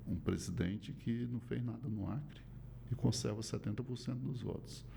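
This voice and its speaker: Here, a man speaks with very wide pitch swings. Audible room echo surrounds his voice. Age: 60s. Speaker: state government secretary. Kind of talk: political interview.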